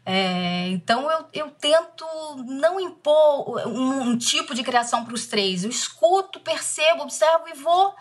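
A Brazilian woman in her forties, an actress speaking in an interview and recalling a painful family memory in a reflective, soft manner. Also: high-pitched, animated, a little slow, few pauses. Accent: Brazilian Portuguese. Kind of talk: emotional interview talk.

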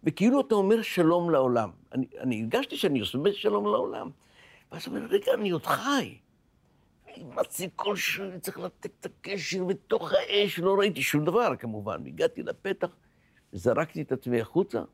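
A man's voice: high voice, sing-song, gravelly, breathy edge, no echo. An older man, a podcast interview guest, telling his life story in an emotional, vivid way, often repeating words as he speaks.

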